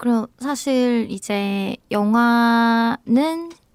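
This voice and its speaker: A woman's fairly high voice comes through a very clean recording with a silent background and a dry, close sound with no echo. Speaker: film director. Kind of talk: interview.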